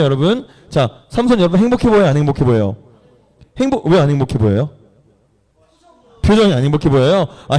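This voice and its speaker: High, lively male preacher. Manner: lively, playful, acts out voices and asks the congregation questions. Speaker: pastor. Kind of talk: animated sermon storytelling. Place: church.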